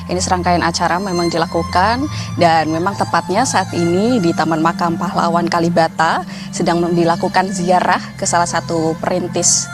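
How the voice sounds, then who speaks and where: Woman reporting live from the field. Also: lowish voice. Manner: hesitant fillers, conversational. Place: outdoors at a cemetery.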